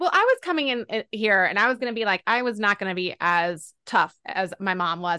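A woman speaks with a bright, sharp tone. The sound is dry and close with no echo, over a quiet background. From Texas, San Antonio area. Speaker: CEO of family trucking company. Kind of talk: interview.

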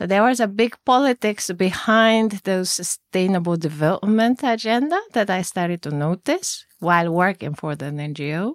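A woman with a Japanese accent speaks at a medium pitch and a moderate pace with lively intonation and hardly any pauses, the sound dry and close with no echo on a very clean recording with a silent background. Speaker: university professor. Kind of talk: interview conversation.

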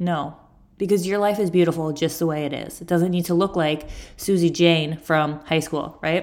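A woman speaks at a moderate pace in a fairly low pitch, her intonation monotone and flat. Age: 30s. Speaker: podcast host and business coach for mothers. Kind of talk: solo podcast monologue. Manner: casual and conversational.

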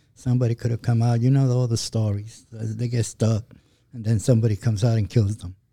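Medium in pitch, a man speaks with a dark, mellow tone, somewhat breathy, in a monotone, flat intonation. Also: fairly quick pace. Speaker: podcaster. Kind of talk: casual chat.

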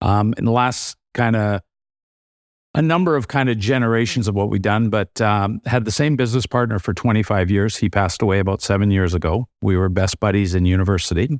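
Recorded very cleanly over a silent background with a dry, close sound and no echo, a man with a western Canadian accent speaks fairly quickly at a fairly low pitch, keeping his loudness very even. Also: ordinary pitch variation. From Calgary, western Canada. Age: 60s. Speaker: real estate investor. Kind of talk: interview conversation. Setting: at his home.

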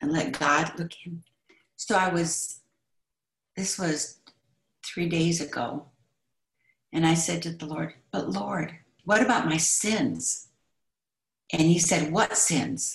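A woman speaks very slowly with vocal fry, leaving long, frequent pauses. Her voice is fairly low, with ordinary pitch variation. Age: 70s. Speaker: pastor and intercessor who bakes. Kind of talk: casual interview testimony.

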